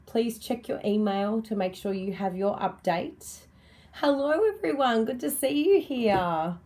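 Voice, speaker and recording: A middle-aged Australian woman with a slightly croaky voice, chatting upbeat and friendly through a live card-making tutorial and greeting viewers by name. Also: fairly high pitch, measured pace, darkish tone. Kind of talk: live-stream tutorial chat.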